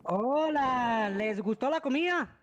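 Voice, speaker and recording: A man's voice: extremely high pitch, animated, slow, a little hiss or hum. A man improvising casual game roleplay, theatrical and given to repeating himself. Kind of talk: casual roleplay chat while gaming.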